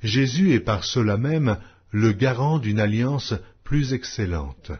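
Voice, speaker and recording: A man narrating an audio Bible in a solemn, measured, declamatory reading style. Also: medium pitch, animated, husky. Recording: dull lo-fi audio.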